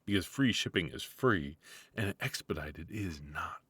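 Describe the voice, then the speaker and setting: A man playing a smug, fussy retired supervillain husband in an intimate comedic ASMR roleplay, with a husky, mock-sinister delivery. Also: low voice, expressive, measured pace, bright, forceful tone, dry recording, exaggerated voice. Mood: teasing, exasperated.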